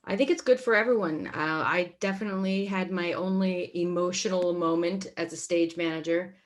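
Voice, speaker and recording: A woman's voice: lowish voice, moderate pace. A woman who works in theatre, telling anecdotes in a casual panel chat and acting out reactions as she goes. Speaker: actor and stage manager.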